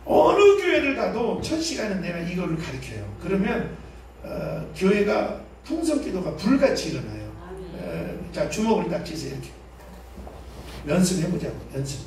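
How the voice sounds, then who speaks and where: A man pastor leads a revival seminar with a fairly high voice, shouting cries of prayer and joking between them. He sounds far from the microphone. A heavy echo fills the large hall around him. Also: wildly swooping pitch, normal speed, slight background noise. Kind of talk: revival sermon with call-and-response.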